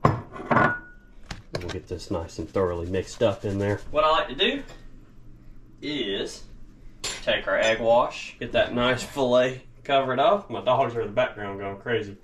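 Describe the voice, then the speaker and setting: Unhurried and pausing often, a man with a medium-pitched voice explains what he's doing step by step in a fishing and cooking vlog. The action-camera sound is noisy, recorded both outside and in the kitchen.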